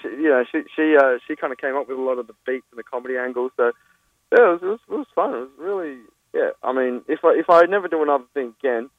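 A man, a guest comedian, telling anecdotes over the phone with quick restarts and easy laughter. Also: mid-range voice, no room sound. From Australia. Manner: rapid, stumbling restarts, laughs easily. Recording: tinny phone line.

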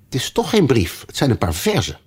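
A man voicing a nervous, deferential male white rabbit herald in a storybook reading, hurried and over-polite, with a husky voice. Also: medium pitch, huge pitch swings, a little mellow, pitched above the performer's own voice, full character voice. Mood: fussy.

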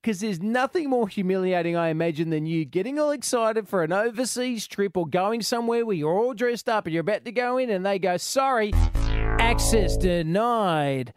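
Australian man, high-pitched voice, chatty radio host, joking, blokey, expressive, faint music behind. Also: fairly quick, hardly any pauses, clean tone. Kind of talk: chatty talk radio, taking calls.

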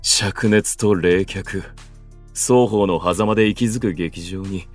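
A man's voice: deep voice, takes it slowly, soft background music. An actor playing a cryptic, theatrical male idol in a Japanese voice drama, speaking in a pompous, flowery, composed manner. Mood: solemn, poetic.

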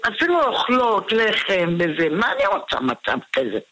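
A woman calling into a radio show to ask the rabbi a question, speaking haltingly in short bursts. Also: medium pitch, huge pitch swings, fairly bright tone, rough recording. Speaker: caller.

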